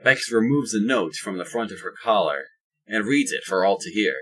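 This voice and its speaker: A man reading scripted third-person narration for an audio drama in a husky voice. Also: fairly low pitch, expressive, moderate pace, fairly bright tone, poor audio.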